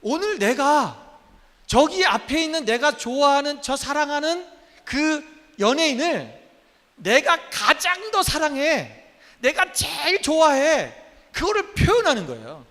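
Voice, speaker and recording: A pastor in his fifties preaches to his congregation with a high, bright voice. His pitch swings widely and he keeps firing questions at the listeners. The sound rings with a long church-hall reverb. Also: sing-song, a little slow. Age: 50s. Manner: emphatic, asks the congregation many questions. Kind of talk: sermon. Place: church sanctuary.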